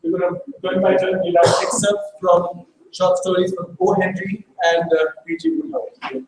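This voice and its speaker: A man's voice: sits high, moderate pace, noisy background. A man hosting a live stage event, introducing performers in a chatty, joking way with hesitant fillers. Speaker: event host. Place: live arts festival stage. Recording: echoey hall from far off.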